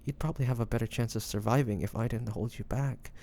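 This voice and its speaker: A male actor plays a tender, protective young man in a fantasy romance audio drama. His voice is mellow and dark with a creaky edge. He speaks haltingly and earnestly, heavy with feeling. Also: mid-range voice, a little hiss or hum, natural voice. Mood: guilty, breaking. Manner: halting, emotional, pleading, with pauses and sighs. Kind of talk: intimate romantic roleplay audio drama acting.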